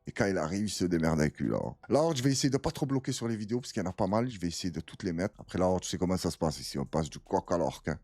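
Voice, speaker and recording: A man's voice: low voice, animated, racing, few pauses, darkish tone, dry recording. A man hosting a reaction video, joking in casual slang and talking straight to his viewers.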